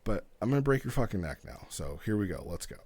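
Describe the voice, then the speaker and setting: A man's voice: on the low side, big pitch swings, fast, a little mellow, breathy edge, no room sound. A man playing a selfish martial-arts villain from a roleplay, ruled by violent impulse, blunt and casually menacing. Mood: impulsive, callous.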